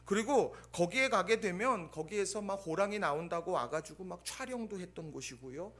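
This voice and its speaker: High-voiced animated preaching man. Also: moderate pace. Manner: animated storytelling, acting out quoted dialogue; swings between loud bursts and hushed asides. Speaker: pastor. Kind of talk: Sunday morning sermon.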